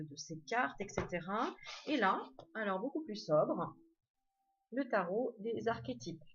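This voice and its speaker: A woman's voice: mid-range voice, highs cut off, a little hiss or hum. A woman casually showing her tarot and oracle card decks, chatty, with many fillers and restarts. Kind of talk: casual show-and-tell.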